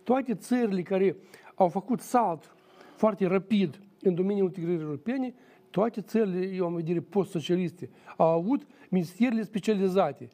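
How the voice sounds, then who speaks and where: A man speaking as a guest on a studio political debate, measured and emphatic, repeating his points. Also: high voice, dark tone. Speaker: talk show guest, former judge.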